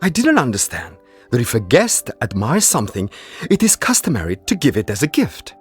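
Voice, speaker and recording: Husky man with very lively intonation. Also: medium pitch, fairly quick, faint music behind. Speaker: textbook audio speaker. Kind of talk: scripted listening-exercise reading.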